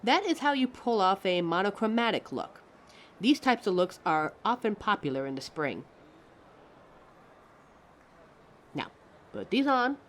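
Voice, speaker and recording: A woman's voice: medium pitch, fairly bright tone, natural voice. A woman voicing a pompous, theatrical living mannequin who lectures the listener as a fussy fashion expert in a scripted roleplay. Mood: haughty, instructive. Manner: pompous, affected, instructive, calls listener darling.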